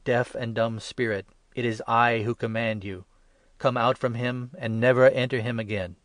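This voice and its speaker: A man reading a calm solemn teacher. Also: on the low side, vocal fry, dry recording. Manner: measured, solemn. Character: calm authoritative male teacher.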